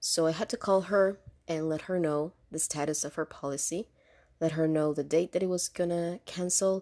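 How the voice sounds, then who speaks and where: A woman with a non-native accent speaks at a very deep, low pitch in a dark, mellow tone, on a very clean recording with a silent background and a dry, close sound with no echo. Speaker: podcast host, call center worker. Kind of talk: casual storytelling monologue. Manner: laughs often; hesitant, many fillers.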